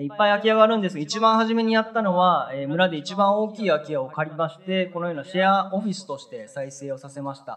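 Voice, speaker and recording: Talking very fast, a man with a high pitch swings widely in loudness over light background noise. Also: ordinary pitch variation. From rural Japan. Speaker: rural entrepreneur; presenter. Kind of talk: conference presentation. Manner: formal. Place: hall.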